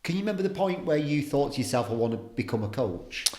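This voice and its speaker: A man's voice: mid-range voice, sing-song, fast talker, warm tone. A man hosting a podcast, asking friendly questions and adding tag questions. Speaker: podcast host. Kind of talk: casual interview conversation. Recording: roomy echo.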